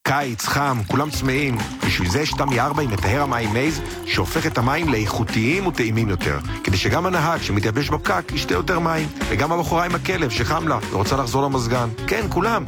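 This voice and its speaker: Man, conversational ad narration, animated intonation, music behind. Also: medium pitch. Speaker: advertising announcer. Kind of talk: conversational scripted commercial read.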